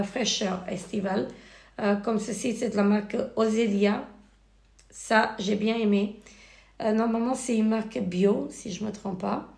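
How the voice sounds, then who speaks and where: A woman with a cold and a hoarse voice, hesitantly reviewing finished beauty products in a casual vlog. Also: medium pitch, darkish tone. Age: married adult. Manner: hesitant, many fillers and restarts. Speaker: beauty vlogger. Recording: echoey room.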